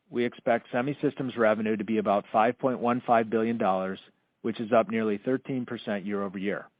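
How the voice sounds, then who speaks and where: A man's voice: medium pitch, no echo. Dull-sounding conference-call man, formal and scripted. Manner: formal, measured corporate delivery. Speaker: company finance executive. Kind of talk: scripted earnings call presentation.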